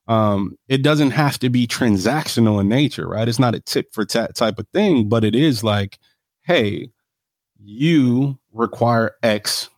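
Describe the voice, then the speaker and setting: A real estate developer with an African American accent talks casually in an interview, emphatic and self-assured, often ending points with "right?" His voice is mid-range, and the dry recording has studio quality.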